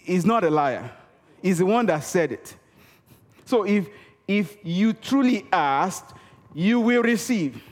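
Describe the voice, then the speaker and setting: In a church hall with a reverberant sound, a man with a high-pitched voice and lively intonation preaches slowly. His sermon is emphatic and repetitive, repeating key words for effect and calling out for responses from the congregation.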